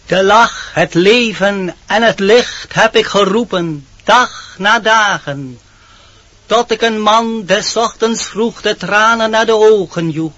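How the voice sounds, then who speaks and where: An actor playing a proud, disillusioned rooster, speaking solemn verse in a radio drama. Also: male voice, high-pitched, takes it slowly, sharp tone, no echo, exaggerated voice. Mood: bitter, solemn. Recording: dull old radio recording.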